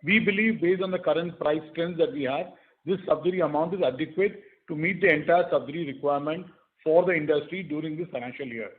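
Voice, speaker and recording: A man with an Indian accent, a company executive giving measured, structured and formal answers on an investor call. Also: on the high side. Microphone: telephone conference line. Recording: narrow phone-line conference audio.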